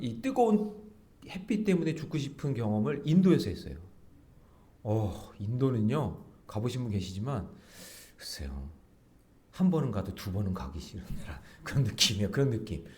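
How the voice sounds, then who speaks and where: A middle-aged male pastor delivers an early-morning sermon with a chatty, animated preaching style. His tone is mellow and relaxed, and his pitch rises and falls widely as he slips into quick bits of acted dialogue. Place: church sanctuary.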